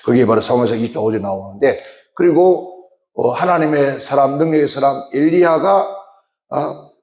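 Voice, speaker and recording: A man's voice: medium pitch, moderate pace, darkish tone. A man preaching a Sunday sermon as pastor. He talks emphatically, repeating phrases and asking rhetorical questions. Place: church sanctuary. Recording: roomy church echo.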